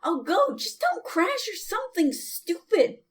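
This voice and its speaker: A woman's voice: very high-pitched, sing-song, unhurried, full character voice. A woman playing a bossy, exasperated young woman in an audio drama, scolding and sarcastic.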